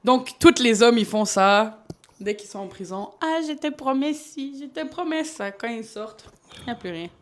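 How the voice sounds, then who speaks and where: A woman's voice: on the high side, animated, normal speed. A woman guest on a live podcast, telling her story candidly and laughing often. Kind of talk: casual live podcast chat. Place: studio. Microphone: podcast microphone.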